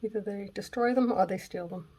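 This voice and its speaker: Recorded on a camera mic that catches her moving nearer and farther while she works, this raspy-voiced woman hosts a chatty craft tutorial in her home craft room on a gray day. She thinks aloud, drops into whispers now and then, and talks fairly quickly at a medium pitch. The recording is very noisy.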